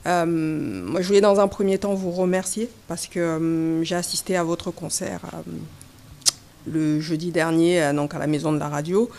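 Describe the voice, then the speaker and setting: A woman's voice: sits low, steady tone, normal speed, a little mellow. A woman journalist, a Swahili speaker, putting a question at a press conference and often searching for her words.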